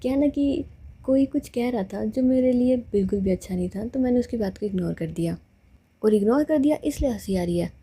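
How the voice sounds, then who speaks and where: Pestering curious young woman, dark husky voice, woman reading her part. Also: fairly high pitch, lively intonation, a little fast. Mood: pleading. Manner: pleading, pestering.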